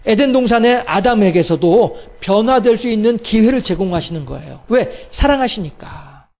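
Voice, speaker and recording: Male pastor, very high voice, sermon delivery, rhetorical questions, slows and softens for quoted lines. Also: lively intonation, creaky. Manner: rhetorical questions, voices God's quoted words softly and slowly.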